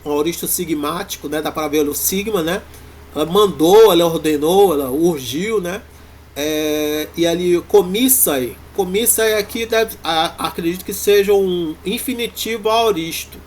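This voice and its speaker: A man with a Brazilian Portuguese accent, teaching a university Greek class in a halting way, full of fillers and restarts. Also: high voice. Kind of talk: classroom lecture.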